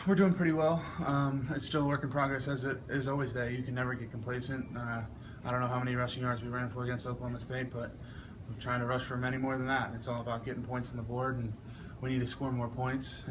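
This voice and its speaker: A young man, an athlete answering press scrum questions in a measured, earnest way. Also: mid-range voice. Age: young adult. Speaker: football offensive lineman being interviewed. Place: media scrum with ambient noise. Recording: clearly noisy ambient background.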